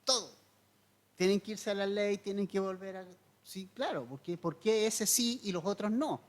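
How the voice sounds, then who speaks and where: A man's voice: sits high, normal speed. A man, a pastor, giving a verse-by-verse sermon in an earnest, explanatory teaching tone, asking his listeners questions and repeating key points.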